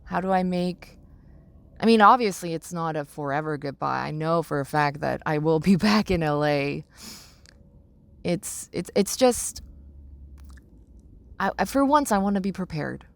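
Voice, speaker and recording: A young adult woman talking through personal reflections as a podcast host, halting and searching for words as she repeats phrases. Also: low voice, lively intonation, gravelly.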